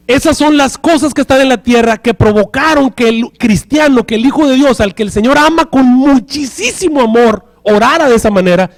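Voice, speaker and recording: High-voiced pastor preaching a sermon. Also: male voice. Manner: keeps asking the congregation rhetorical questions.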